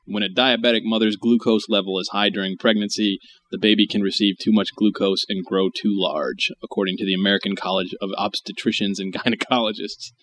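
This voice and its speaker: A man's voice: fairly low pitch, level tone, brisk, few pauses, fairly bright tone, slight background noise. A man hosting a comedy podcast, reading articles aloud and riffing with crude jokes while chuckling. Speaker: podcast host. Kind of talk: casual comedy podcast chat.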